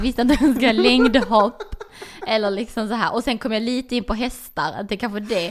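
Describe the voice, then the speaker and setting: Over noticeable background noise, a woman with a Scanian accent speaks at a fairly high pitch with fairly even intonation. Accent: Ystad dialect. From southern Sweden, Ystad (Skåne). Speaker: comedian. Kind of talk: casual interview chat.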